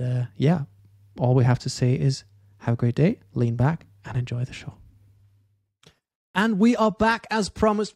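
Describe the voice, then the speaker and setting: A man's voice: mid-range voice, a little mellow, dry recording, studio quality. A middle-aged man co-hosting a morning show, chatting casually and upbeat while recommending events. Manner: upbeat, promotional. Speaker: co-host and moderator.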